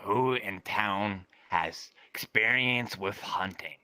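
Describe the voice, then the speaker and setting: A man roleplaying a gruff, grudging adventurer who talks bluntly in terse grumbles. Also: lowish voice, slow, pushed and bright, no echo, heavily acted. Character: gruff, grudging, surly adventurer needing help. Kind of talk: improvised virtual reality roleplay.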